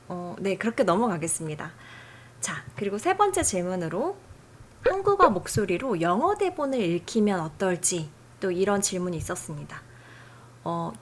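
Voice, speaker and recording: A woman hosting a software tutorial, explaining settings in a friendly, chatty way. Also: medium pitch, a little hiss or hum. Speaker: tutorial host.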